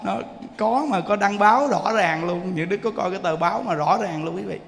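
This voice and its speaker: A man's voice: sits high, a little fast, gravelly, long reverb tail. A man with a Southern Vietnamese accent giving a Buddhist dharma talk as a monk, telling stories with jokes and speaking straight to his audience. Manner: lively, joking storyteller addressing the audience. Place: temple lecture hall.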